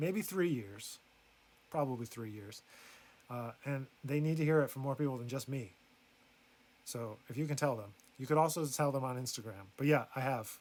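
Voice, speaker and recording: At a medium pitch with ordinary pitch variation, a man speaks with long, frequent pauses. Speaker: jazz trombonist answering viewer questions. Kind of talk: casual Q&A livestream. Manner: fast.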